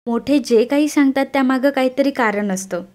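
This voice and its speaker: A dutiful young woman, worried and earnest, urging her sister to listen to the elders, as a woman narrator reads her part. The voice is fairly high and pleading, read in a serial recap. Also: brisk, darkish tone, close to an everyday voice.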